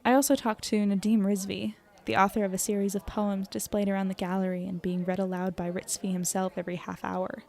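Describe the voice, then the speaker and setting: A woman's voice: medium pitch, level tone, a little fast, vocal fry, hardly any pauses, darkish tone, natural voice. A woman playing an earnest, self-deprecating young podcaster, chatty and descriptive as she narrates her evening in an audio drama. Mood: admiring, composed.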